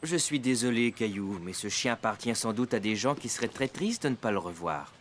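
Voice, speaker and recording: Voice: medium pitch, expressive, brisk, slight background noise, natural voice. An actor playing a kind, patient young father in a children's cartoon, over music. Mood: gentle, reassuring. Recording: loud cartoon music underneath.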